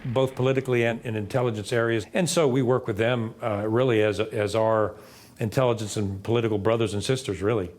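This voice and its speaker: A man's voice: fairly low pitch, fairly even intonation, a little fast, a little mellow. Emphatic male interviewee.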